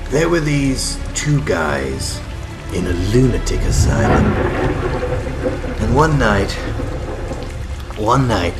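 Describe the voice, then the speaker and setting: A man playing a maniacal, theatrical supervillain clown in an audio drama, with a halting storytelling delivery. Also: on the low side, exaggerated voice. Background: dramatic music with rain and thunder.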